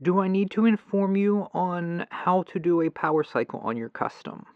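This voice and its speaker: A man's voice: sits high, expressive, normal speed, smooth, no room sound. A man playing a patient, polite tech support agent in an ASMR roleplay phone call, reassuring and methodical, through a lo-fi telephone filter. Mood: patient, instructive. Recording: dull lo-fi telephone sound.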